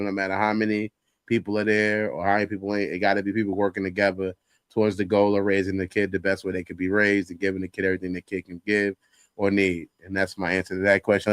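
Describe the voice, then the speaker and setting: A man's voice: lowish voice, no echo. A man hosting a casual talk show, chatting loosely and reading out headlines and comments. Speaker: host.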